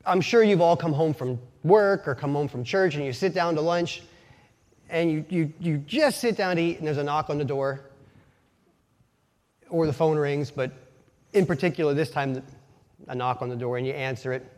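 A man with a light Pennsylvania Dutch accent preaches in a relaxed, storytelling way, poking fun at himself and often restarting his sentences. His voice sits a little high for a man. The long reverb of a church hall trails after every phrase. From Pennsylvania, USA. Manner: folksy, self-deprecating, halting restarts. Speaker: lay preacher. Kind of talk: casual sermon with personal stories. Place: church sanctuary.

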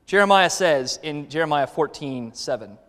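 A man's voice: a little high, animated, normal speed, a bit bright, long reverb tail. A man preaching a conversational sermon as a guest in a church, asking the congregation questions.

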